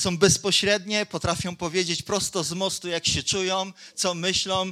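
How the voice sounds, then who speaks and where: A man projects his voice in a raised, high pitch. His tone is bright and sharp. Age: 50s. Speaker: pastor. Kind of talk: sermon. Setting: church hall with congregation. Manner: animated.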